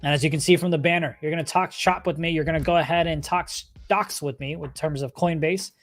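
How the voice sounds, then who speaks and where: A man's voice: a little high, steady tone, brisk. A man hosting a livestream, giving casual, conversational chart commentary and talking directly to his viewers. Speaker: livestream host and stock trader. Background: background music.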